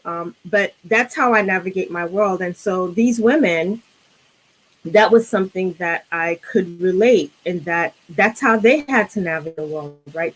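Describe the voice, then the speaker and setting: A woman with a New York accent, a guest on a film discussion, speaking reflectively with many pauses and restarts. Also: medium pitch, poor audio.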